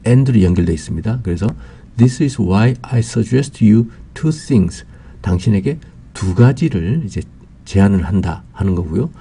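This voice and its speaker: A man teaching English grammar in a recorded lesson, explaining slowly and carefully, drawing out English example phrases with a Korean accent, and pausing on "ah" fillers. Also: on the low side, expressive, creaky, mellow, breathy edge.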